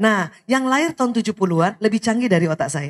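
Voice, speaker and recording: With an animated tone, a woman speaks at medium pitch and a moderate pace. Her pitch swings very widely, and the background is quiet. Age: 50s. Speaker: doctor and parenting speaker; speaker. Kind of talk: religious talk / lecture. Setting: mosque with audience. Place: hall.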